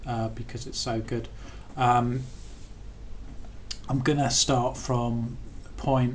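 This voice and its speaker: Speaking with an English accent at a very slow pace, a man leaves long, frequent pauses, with audible room echo and noticeable background noise around him. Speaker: commentator reading legal documents. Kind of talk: reading aloud. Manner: halting.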